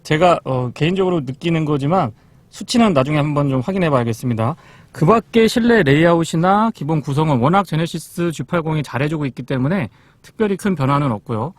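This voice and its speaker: A man's voice: on the high side, animated, fast talker, no echo. A man presenting a test-drive review as a car reviewer, explaining things politely.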